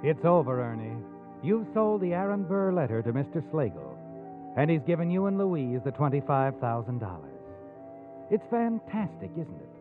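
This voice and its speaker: An actor playing a sly, taunting all-knowing narrator in a 1940s radio mystery, addressing the character as you. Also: male voice, on the high side, sing-song, normal speed. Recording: tinny old radio recording, music behind.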